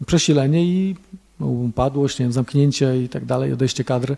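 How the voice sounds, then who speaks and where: Using an ordinary speaking voice, a man talks at a fairly quick pace with fairly high pitch and fairly even intonation. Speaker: town mayor. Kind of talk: chairing a public meeting. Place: meeting room. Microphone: podium.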